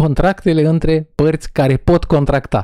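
The speech moves at a fairly slow pace, with a dry sound that has no echo and a quiet background. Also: man. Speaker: podcast co-host. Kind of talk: casual discussion. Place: home room. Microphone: studio mic.

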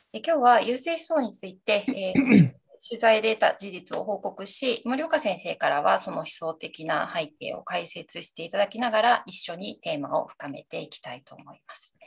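A woman speaks at a moderate pace with big swings in loudness. The background is quiet. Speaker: newspaper reporter, event host. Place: home room. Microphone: video call.

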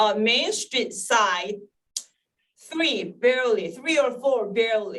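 A very slow pace with a non-native accent. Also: woman. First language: not English. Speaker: public commenter, former store owner. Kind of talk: public comment at hearing. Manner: halting.

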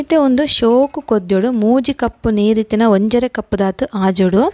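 A woman speaks with ordinary pitch variation. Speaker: home cook channel host. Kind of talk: cooking tutorial narration. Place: kitchen.

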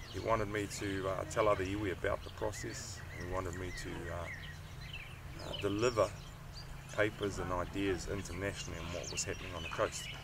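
A man's voice comes through dry with no echo, alongside noticeable background noise. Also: moderate pace. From New Zealand, Waikato; New Zealand. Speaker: sport and exercise psychologist; interviewee. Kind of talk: personal story, interview. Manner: halting with many fillers. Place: open country.

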